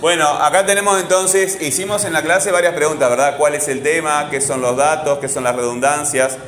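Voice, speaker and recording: A man teaching a class, asking many quick questions and stressing key words. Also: fairly high pitch, fairly even intonation, fairly bright tone. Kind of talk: online class lesson. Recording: roomy echo.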